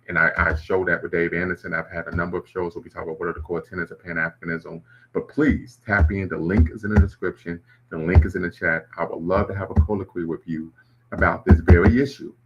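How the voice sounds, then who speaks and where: A man's voice: sits low, fairly bright tone, slightly rough, lo-fi sound. A man hosting a live stream, reacting to clips and chat comments in a conversational way. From Ohio, US. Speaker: host.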